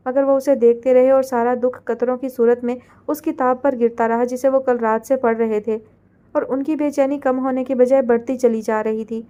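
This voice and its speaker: Woman reading a romance novel out loud, high soft mellow voice, calm and measured. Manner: measured, literary narration. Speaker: audiobook narrator.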